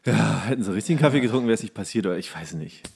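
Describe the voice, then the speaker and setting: A man's voice: on the low side, expressive, rapid-fire, vocal fry, darkish tone, breathy edge. A man co-hosting a podcast, telling comic anecdotes in a rambling, jokey, casual way. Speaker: podcast co-host.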